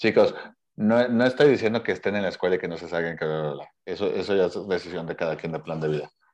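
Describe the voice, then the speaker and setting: Speaking at a very fast pace, a man uses lively intonation at a fairly low pitch over a quiet background. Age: 30s. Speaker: podcast co-host. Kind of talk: casual chat.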